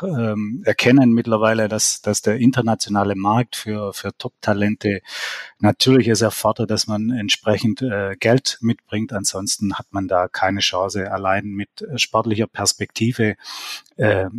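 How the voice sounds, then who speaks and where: A man's voice: fairly low pitch, no echo. A man talking in a casual podcast discussion from his home office, hesitating often with fillers. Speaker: football reporter guest.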